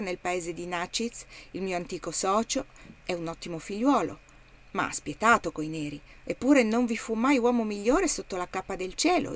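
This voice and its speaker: A woman reading the part of a callous, smooth-talking male slave trader in a matter-of-fact, persuasive tone. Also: mid-range voice, natural voice.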